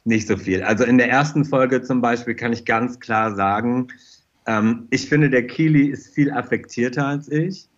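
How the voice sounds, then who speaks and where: A man's voice: medium pitch, moderate pace. Slightly muffled, chatty man in casual interview. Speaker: interview guest, fashion designer.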